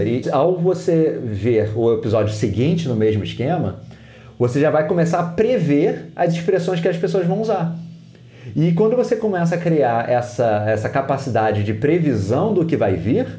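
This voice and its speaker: A man's voice: a little high, very animated, moderate pace, warm tone, roomy sound, soft background music. A man with a Brazilian Portuguese accent, a teacher giving tips as a guest in a podcast interview, who acts out what students think. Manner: explanatory, acts out students' inner voices.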